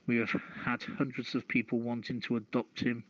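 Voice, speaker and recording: A man hosting a casual live radio show with a halting delivery. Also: mid-range voice, flat delivery, fairly bright tone. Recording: dull, echoey online radio channel audio.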